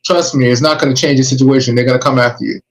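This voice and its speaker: A man's voice: medium pitch, fairly even intonation, racing. A man hosting a podcast, giving emphatic, streetwise warnings and advice in casual chat. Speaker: podcast host.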